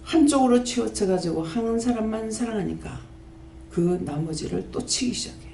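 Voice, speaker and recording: A woman pastor, preaching a sermon and scolding with rapid-fire rhetorical questions. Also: on the high side, lively intonation, gravelly, dark tone. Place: prayer house church. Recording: echoey church hall, faint background noise.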